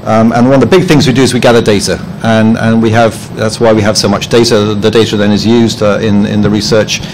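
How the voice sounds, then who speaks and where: Halting, dry-humored man giving a talk. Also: on the low side, level tone, a little mellow, slight background noise, low-quality recording. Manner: hesitant, with many ums and restarts; dry, self-deprecating humor. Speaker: conference presenter, head of publishing. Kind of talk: conference presentation. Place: conference room.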